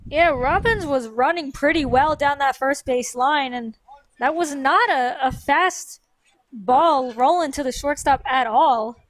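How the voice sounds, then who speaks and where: A woman with a distinctly high voice co-commentates on a live baseball game. She talks through the play and the players in a conversational style. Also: a little slow, dry recording, low-quality recording. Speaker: sports co-commentator.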